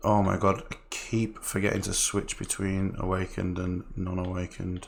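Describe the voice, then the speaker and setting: This man talks at a moderate pace in a very deep, low voice that is somewhat breathy, his intonation monotone and flat. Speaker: video game streamer. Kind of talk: live gameplay commentary. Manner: casual, chatty.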